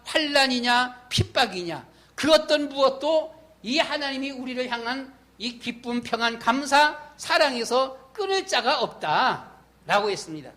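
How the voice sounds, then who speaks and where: A middle-aged male pastor delivering an emphatic sermon in a church sanctuary. He speaks in a notably high, very bright voice, asks rhetorical questions, and acts out his own past thoughts and inner voice as quotes.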